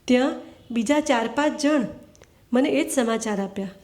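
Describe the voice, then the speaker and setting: High-voiced woman reading a story. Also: a little mellow. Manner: measured, earnest storytelling. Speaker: writer reading her own story. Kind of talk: short story reading at a literary event.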